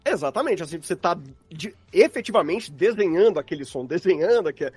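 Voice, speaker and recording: A man's voice: high voice, expressive, fairly quick, a little mellow, slightly rough, faint music behind. A Brazilian man explaining things in casual, rambling, slangy conversation, like a guest on a podcast. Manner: informal, rambling, uses slang.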